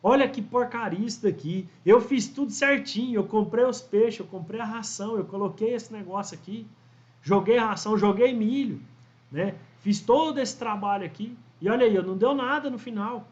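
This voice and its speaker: Brazilian man doing a griping amateur fish farmer, high-pitched and exasperated, dull lo-fi sound. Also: fairly quick, close to an everyday voice. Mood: fed-up. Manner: exasperated, ranting. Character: frustrated male amateur fish farmer, complaining. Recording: dull lo-fi audio.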